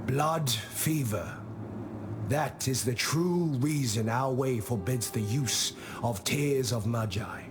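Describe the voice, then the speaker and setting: Game role: male actor as aged tribal peacemaker, unhurried delivery, patient and solemn, gently stern, music underneath. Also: mid-range voice, natural voice. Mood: grave, reflective. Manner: measured, solemn, philosophical storytelling. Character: wise old tribal diplomat, calm, patient, gently stern. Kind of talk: scripted video game character monologue.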